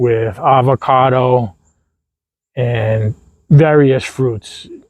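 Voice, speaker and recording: Here a man talks at a medium pitch. His intonation is fairly even. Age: 60s. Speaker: health vlogger. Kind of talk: casual vlog monologue. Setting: outdoors.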